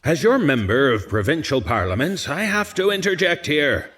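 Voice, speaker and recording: An actor playing an anxious, earnest local politician in an audio drama, formal yet hesitant. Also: male voice, a little high, very animated, normal speed, a bit bright. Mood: worried, earnest.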